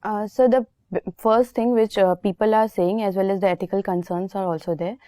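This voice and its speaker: A young woman with an Indian English accent answers an interview panel, hesitant and polite, often pausing on fillers. Her voice is mellow and soft-toned, recorded close and dry. She calls each examiner sir. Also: mid-range voice, fairly even intonation, no echo. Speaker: interview candidate. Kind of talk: formal mock interview answers.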